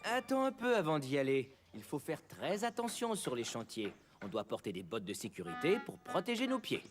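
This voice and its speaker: A man voicing a gentle, careful father who explains things patiently in a French children's cartoon. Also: medium pitch, big pitch swings, normal speed, music in the background, close to an everyday voice. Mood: cautioning. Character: gentle, cautious, instructive young father.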